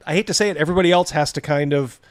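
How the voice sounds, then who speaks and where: Reacting to a video on his livestream, this host speaks rapid-fire in a fairly high voice. Blunt, mocking and quick to swear, he breaks off to read viewer comments, and the audio is close and dry with no room echo.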